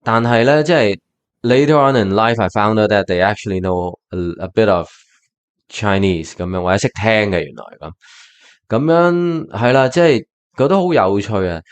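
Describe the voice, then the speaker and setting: Low-voiced man hosting a bilingual podcast. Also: expressive, clean tone. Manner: mixes Cantonese and English, halting with many fillers. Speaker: podcast host. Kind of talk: casual bilingual podcast chat.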